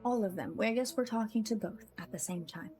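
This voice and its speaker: Welcoming viewers as she plays, a woman live-streams a game in a playful, chatty manner. Her medium-pitched voice is warm and brisk, and game music runs in the background of this casual chat.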